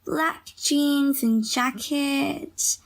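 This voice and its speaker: A woman's voice: sits high, steady tone, extremely slow, full character voice. A woman playing an irritable, gloomy young woman in an audio drama, terse and sardonic. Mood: glum.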